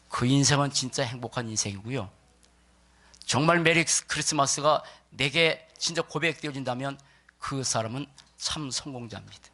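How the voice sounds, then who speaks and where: A man preaching to a congregation as a pastor, stressing key words in deliberate phrases and putting questions to his listeners. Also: mid-range voice, fairly bright tone. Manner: puts rhetorical questions to listeners. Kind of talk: church sermon to a congregation.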